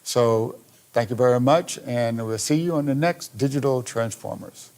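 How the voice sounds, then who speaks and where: A man hosts a video podcast interview. His voice sits at an ordinary middle pitch. He talks in a relaxed, conversational way and keeps asking follow-up questions. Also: moderate pace. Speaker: podcast host.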